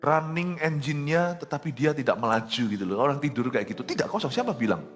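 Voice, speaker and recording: A man's voice: on the high side, fast, faint music behind. A middle-aged man preaching a sermon, telling stories and acting out quotes, dropping in English phrases. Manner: animated preaching with jokes and acted quotes, mixing in English phrases. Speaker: pastor.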